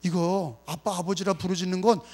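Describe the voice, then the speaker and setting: Man pastor preaching, loud cries then mumbles, makes the crowd repeat, long church echo and hum. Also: high-pitched, steady tone, a little fast. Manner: emphatic preaching, swings between loud cries and murmurs; has congregation repeat phrases. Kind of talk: revival sermon. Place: church sanctuary. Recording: long hall reverb, mains hum.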